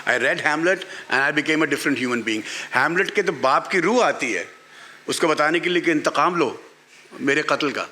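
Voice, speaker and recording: A man's voice: a little high, animated, rapid-fire, sharp tone. A man with a Pakistani accent, an author answering questions live at an outdoor festival, switching between languages. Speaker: author speaking at a book talk. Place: outdoor literature festival garden stage.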